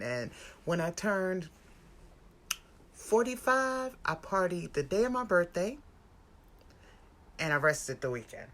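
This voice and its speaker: A woman's voice: low voice, gravelly, a bit bright. American woman in her forties, chatting emphatically. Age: 40s. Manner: conversational, emphatic, repeats phrases for stress. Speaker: spiritual lifestyle live-stream host. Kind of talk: casual motivational live-stream chat.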